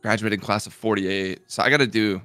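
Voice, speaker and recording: Bright-voiced young Midwestern man. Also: on the low side, fairly even intonation, fairly quick, smooth, no room sound, faint music behind. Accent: slight Minnesota. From Iowa, United States. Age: 20s. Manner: friendly, laughs easily, chatty. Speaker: guest, content creator. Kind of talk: casual interview chat.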